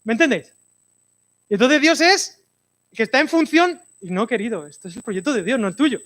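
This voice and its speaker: A man, a pastor preaching a lively, playful sermon to a congregation, with sudden drops to hushed intensity. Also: very high-pitched, a little fast. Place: church hall, in front of a congregation.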